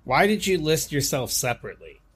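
A man speaking in character at a tabletop game, pressing with suspicious, probing questions. His voice is bright and a little husky. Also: a little high, very animated, fairly quick. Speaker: player.

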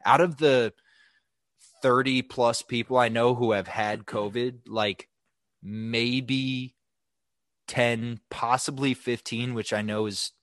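A young man co-hosting a podcast, chatting casually in a blunt, profane, animated way. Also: medium pitch, takes it slowly, no echo. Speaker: podcast co-host.

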